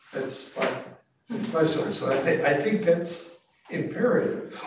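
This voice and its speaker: A man with a high-pitched voice talks in a room with audible echo. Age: 80s+. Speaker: club member asking a question. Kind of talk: Q&A at club meeting. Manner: halting.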